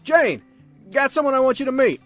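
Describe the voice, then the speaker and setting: Lively, breezy buddy. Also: male voice, very high-pitched, fairly quick, faint music behind, exaggerated voice. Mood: cheerful. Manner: casual, breezy. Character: upbeat, well-meaning male colleague and friend. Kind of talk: audio drama acting.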